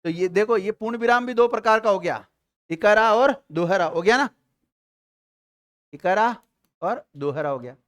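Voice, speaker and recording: High, smooth-voiced Hindi grammar teacher. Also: male voice, fairly bright tone. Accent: Rajasthani Hindi. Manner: asks students questions and answers them himself; dictates slowly, repeating phrases for note-taking. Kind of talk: classroom grammar lesson.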